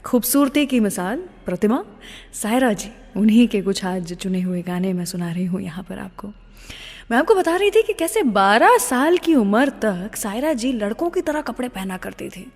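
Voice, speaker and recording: A woman with an Indian accent hosts a radio show in a fairly high voice. She chats in a gushing, storytelling way and drops in English phrases. Her voice rings with long reverb. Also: animated, normal speed. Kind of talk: chatty radio presenting with film-star anecdotes.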